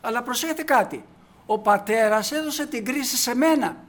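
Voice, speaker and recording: A man preaching a sermon to his congregation, emphatic, swinging from quiet asides to loud declarations. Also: very high-pitched. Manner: addresses the congregation as brothers.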